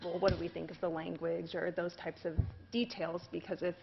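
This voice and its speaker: A polite woman on a city council, hedging her points and restarting often. Her voice sits on the low side, and the recording is dull and lo-fi. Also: level tone, fairly quick, vocal fry, music in the background. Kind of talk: council meeting statement.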